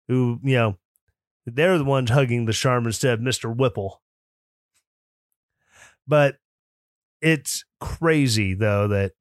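A man's voice: mid-range voice, fairly bright tone, no echo. Opinionated male podcast host, dry sound. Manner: opinionated, mocking, mimics opponents in put-on voices. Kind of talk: political commentary podcast.

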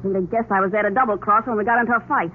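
A woman's voice: medium pitch, fairly even intonation, racing, lightly acted. A woman playing a tough, defiant young American dancer turned killer, slangy and hard-boiled, in a 1940s radio crime drama. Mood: sullen confessing. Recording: noisy, narrow-band 1940s radio recording.

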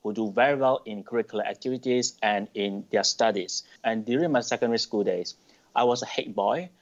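A middle-aged man from Malaysia, answering interview questions thoughtfully, with pauses and restarts. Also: on the low side. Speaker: podcast guest. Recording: dull lo-fi sound.

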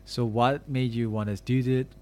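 A man's voice: mid-range voice, steady tone, normal speed, darkish tone. A young man in a casual conversation as host, rambling along with lots of "like" and "you know". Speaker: podcast host interviewing a friend. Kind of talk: casual chat.

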